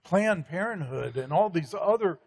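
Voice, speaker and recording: A man's voice: high voice, lively intonation, moderate pace, darkish tone, husky. A man talking in a preacherly, emphatic way with many fillers. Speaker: guest speaker. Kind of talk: conversational preaching. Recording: hall reverb.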